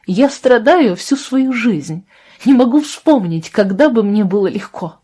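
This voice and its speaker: A woman's voice: a little high, lively intonation, unhurried, dark tone, husky, voice pushed up. A woman reading an audiobook, voicing an upset, defiant teenage girl in raised, indignant outbursts.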